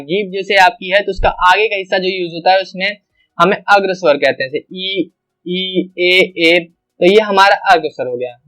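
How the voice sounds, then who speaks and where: A man with a high voice teaches an exam-prep grammar class. He explains each point step by step and says every example sound aloud, often twice. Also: a bit bright.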